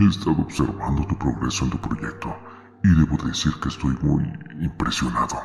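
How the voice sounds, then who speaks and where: With a slight echo, a man does a put-on character voice at a very deep, low pitch and a moderate pace. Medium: read story. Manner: quiet, cold, menacing.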